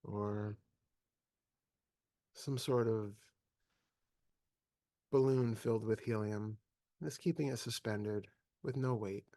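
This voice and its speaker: A man with a fairly low voice guides a meditation. He speaks calmly and deliberately, leaving long pauses between measured phrases. The sound is dry, with very little room around the voice. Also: no echo. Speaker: meditation teacher.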